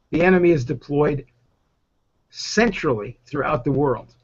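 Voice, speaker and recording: Speaking with lively intonation, a man has an American accent. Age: 70s. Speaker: historian and political activist. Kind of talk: talk with Q&A at a public meeting.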